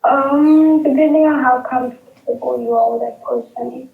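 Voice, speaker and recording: A woman speaking over speakerphone in a casual chat, her voice pitched a little high. The sound is dull and muffled. It echoes in a roomy studio. She answers in short, hesitant bits. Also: fairly even intonation, moderate pace, creaky. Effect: heard over speakerphone. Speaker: caller.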